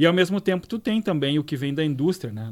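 Lively intonation colors a man's plain, everyday voice, pitched fairly high. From Rio Grande do Sul, Brazil (Santa Maria). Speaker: podcast host. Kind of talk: casual interview chat.

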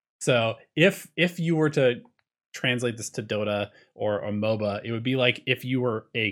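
At a moderate pace, a man uses an ordinary speaking voice with medium pitch and ordinary pitch variation. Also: very clean recording, silent background. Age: 30s. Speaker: gaming podcast host. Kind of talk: casual chat.

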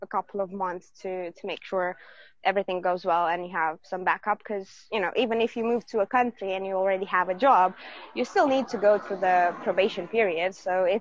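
A woman's medium-pitched voice with an Eastern European accent, moderate pace and fairly even intonation, dry and close with no echo, against a quiet background. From Romania. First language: Romanian. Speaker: immigrant professional living in London. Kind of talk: casual interview chat. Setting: remote call.

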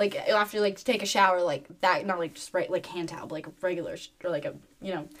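Over noticeable background noise, a woman talks very fast in an animated tone at medium pitch, with ordinary pitch variation. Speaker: podcast co-host, theatre performer. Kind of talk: casual chat. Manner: animated, laughing often.

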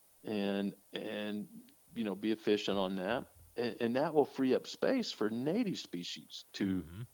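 A man speaks in a plain, everyday voice at a fairly low pitch, with ordinary pitch variation and a fairly slow pace. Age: 60s. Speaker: wildlife biologist. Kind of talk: interview.

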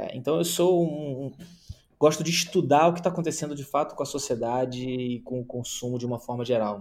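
At a fairly quick pace, a man with an ordinary speaking voice talks at a fairly high pitch with ordinary pitch variation. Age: 40s. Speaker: marketing and communications professional. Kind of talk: casual interview chat.

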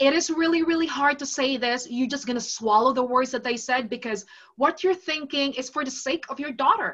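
Pitched high, a woman with a Filipino accent talks at a fairly quick pace with lively intonation. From Philippines. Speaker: guest, wife and mother. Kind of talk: casual chat.

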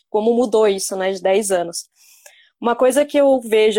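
With a dark, mellow tone and a fairly high pitch, a woman speaks at a moderate pace in a dry, close sound with no echo. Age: 20s. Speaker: podcast host. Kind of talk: casual chat. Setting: online live stream from home.

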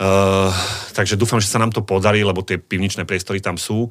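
Talking very fast, a man with a fairly low pitch comes through on a very clean recording with a silent background. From Slovakia, small town. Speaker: actor, hospital clown and library director. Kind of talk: casual interview.

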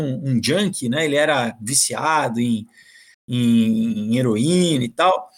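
A man speaks with very wide pitch swings. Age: 40s. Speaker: actor and writer. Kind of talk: casual chat.

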